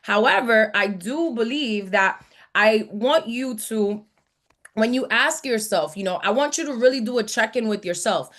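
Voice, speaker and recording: A woman's voice: on the high side, animated, moderate pace, fairly bright tone. A woman from the Dominican Republic and the US East Coast presents a live online masterclass as a brand coach, in an emphatic, motivational manner that repeats phrases for weight. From born in the Dominican Republic, grew up in New York City and South Florida.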